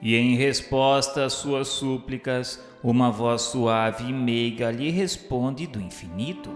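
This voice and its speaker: Brazilian guy narrating religious radio play, slow n solemn, lots of echo, music under it. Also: mid-range voice. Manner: solemn, measured, literary delivery. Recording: echoing hall-like reverb, music behind.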